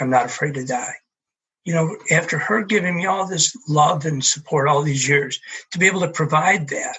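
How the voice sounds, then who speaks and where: A fairly high-pitched man at a moderate pace, with a Western New York accent. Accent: Western New York American. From Buffalo, New York. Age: 60s. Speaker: author, former car dealer. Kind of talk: interview. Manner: halting, many repetitions.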